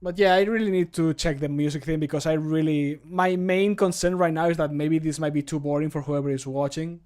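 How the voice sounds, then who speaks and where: A man in his thirties, a streamer and amateur voice actor, chats casually on a livestream from a small room in his home, informal and self-deprecating. His voice is a little high and fairly quick, with a steady tone that sounds slightly mellow, clear and resonant.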